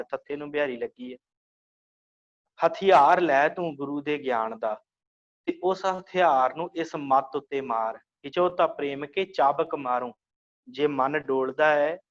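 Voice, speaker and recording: Man slowly chanting and explaining verses. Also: medium pitch, dull audio. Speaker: teacher of scripture reading. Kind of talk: online religious class, line-by-line explanation.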